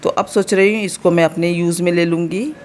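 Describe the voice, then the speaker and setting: Fairly quick and fairly even in intonation, her lowish voice comes with slight background noise. The speaker, a woman in her thirties from India with an Uttar Pradesh Hindi accent and a slightly sore throat, hosts a casual home vlog, chatting straight to viewers and explaining along the way.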